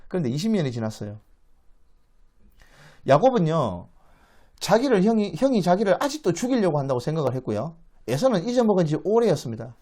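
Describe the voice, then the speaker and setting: A man's voice: fairly high pitch, a little fast, pauses often. A man giving a Bible lecture as a dramatic story, acting out the quoted speech and putting questions to his listeners. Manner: animated, acts out the quoted speech, asks the audience questions.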